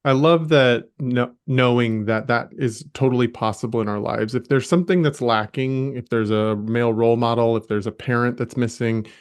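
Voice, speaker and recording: A male podcast host speaks at an ordinary middle pitch, affirming his guest and laughing easily. He reads introductions and asks open questions in an encouraging, upbeat way. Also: normal speed, hardly any pauses, clean tone. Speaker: podcast host, life coach. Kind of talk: interview hosting.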